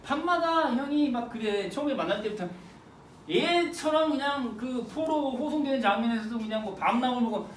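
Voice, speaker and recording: Animated teacher in a roomy hall. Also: medium pitch, normal speed. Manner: colloquial, quizzing students, repeating phrases. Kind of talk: exam prep literature lecture. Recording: roomy, distant mic, faint noise.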